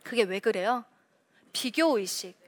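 Middle-aged woman speaker, animated faith talk, slightly high pitch, asks the audience questions. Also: measured pace. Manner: animated, acts out quoted voices; frequent rhetorical questions. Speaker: Christian speaker, former reporter. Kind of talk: faith-based motivational talk.

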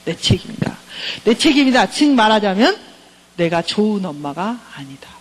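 Husky, lively woman lecturing. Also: medium pitch, moderate pace, rough recording. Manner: engaging, keeps asking the audience questions. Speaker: professor. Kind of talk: counseling lecture.

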